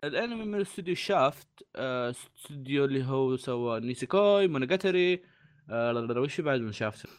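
Quick-talking man, joking. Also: mid-range voice, animated, smooth. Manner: joking, self-deprecating, trails off when unsure. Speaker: podcast co-host. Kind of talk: casual chat.

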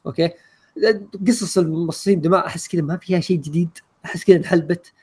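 A man co-hosting a casual podcast chat, rambling quickly through his opinions with many fillers. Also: a little high, steady tone, darkish tone, husky. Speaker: podcast co-host.

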